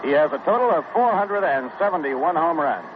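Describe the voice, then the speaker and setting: A man doing radio play-by-play for a baseball game, brisk and even-toned, heard as an old AM radio broadcast. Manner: brisk, even-toned, reads stats between pitches. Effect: AM radio broadcast sound. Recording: tinny noisy 1960s AM radio broadcast.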